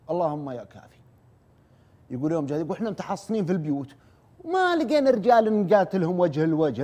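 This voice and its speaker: A man retelling a war story as an oral storyteller, brisk and earnest, repeating "he says" as he goes. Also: medium pitch, mellow.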